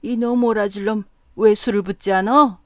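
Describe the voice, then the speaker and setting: A woman's voice: medium pitch, measured pace, a little mellow, no echo, clean studio sound, natural voice. A woman voicing a drunk, boastful, poor rickshaw man who bellows and curses in a storybook reading. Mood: drunk angry. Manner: bellowing, cursing, slurring boasts.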